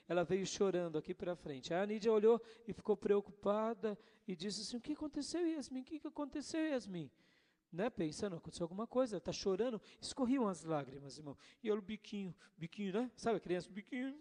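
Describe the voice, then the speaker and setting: A pastor preaching a sermon, telling a personal story and calling the congregation brothers. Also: male voice, sits high, darkish tone. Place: church hall. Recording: long hall reverb.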